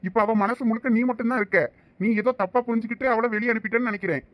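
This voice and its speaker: A man's voice: extremely high pitch, steady tone, racing, fairly bright tone, no echo. A man voicing a loyal, hot-tempered young male friend in a cartoon, with a Thoothukudi Tamil accent. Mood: urgent. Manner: scolding, pleading with his friend. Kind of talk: cartoon voice acting.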